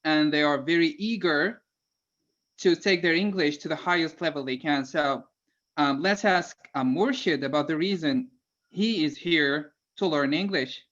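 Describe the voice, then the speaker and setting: A man's voice: fairly high pitch, unhurried, a bit bright. A man with an Algerian accent co-hosting a live lesson, friendly and hesitant with many fillers. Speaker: co-host. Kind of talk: casual co-host chat on a live lesson. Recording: dull lo-fi call audio.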